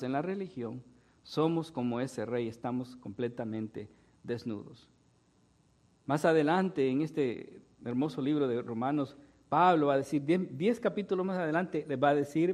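A man's voice: medium pitch, a little mellow. A male pastor preaching a sermon, retelling a fable and tagging his sentences with "¿no?". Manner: storytelling with frequent "¿no?" tags.

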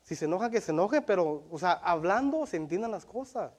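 A man preaching a sermon in Spanish, earnest and repetitive, often checking in with listeners and reading Bible verses aloud slowly. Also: high-pitched, expressive, darkish tone. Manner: earnest, repeats himself, asks the congregation "¿verdad?". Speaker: lay preacher.

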